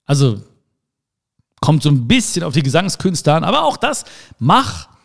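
A man's voice: fairly high pitch, big pitch swings, normal speed, vocal fry. A man giving a motivational talk in an emphatic way, repeating his key phrases. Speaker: motivational speaker.

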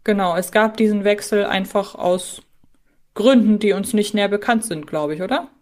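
A woman's voice: medium pitch, moderate pace, a little mellow. A woman co-hosting a podcast, talking conversationally in a fan discussion. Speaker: podcast co-host.

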